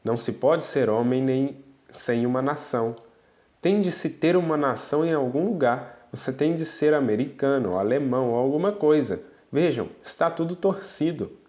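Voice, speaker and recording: A man preaching to his congregation at a middle pitch. He reads quoted passages aloud, then breaks in with short asides that end in a questioning tag. His delivery moves steadily from reading to commentary and back. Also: lively intonation, moderate pace, warm tone.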